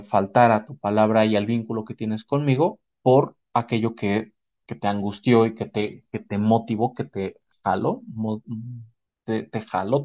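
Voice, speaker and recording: A man with a Mexican accent speaks as a psychotherapist explaining things step by step. His voice is relaxed and warm at an average male pitch. He teaches through rhetorical questions and examples, and the sound is a little dull. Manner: didactic, checks in with rhetorical questions. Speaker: psychotherapist giving a parenting talk. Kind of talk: explanatory talk with acted examples.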